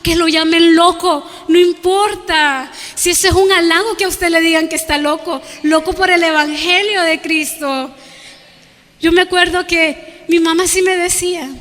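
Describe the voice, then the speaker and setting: A woman preaching a fervent sermon in church, her voice pitched high. She keeps turning to the congregation with rhetorical questions and calls them brothers and sisters. Her words ring out with the long reverb of a church hall. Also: steady tone, normal speed, a bit bright. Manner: addresses listeners as brothers and sisters. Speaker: guest preacher. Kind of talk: evangelical sermon.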